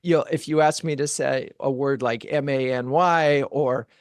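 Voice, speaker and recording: A middle-aged man with a Californian American accent, hosting an interview in a chatty, expressive, conversational way. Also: medium pitch, normal speed, no room sound, studio quality. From California, United States. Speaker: podcast host.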